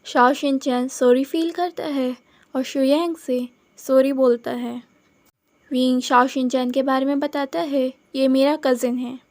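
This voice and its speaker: High-voiced woman narrating a story. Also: fairly even intonation, measured pace, darkish tone, no echo. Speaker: fanfiction storyteller.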